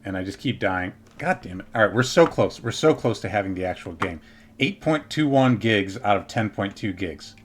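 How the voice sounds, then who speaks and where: A man's voice: lowish voice, lively intonation, moderate pace, slight background noise. A man hosting a casual gaming livestream interview, playful and scattered, with stop-start questions. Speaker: livestream host.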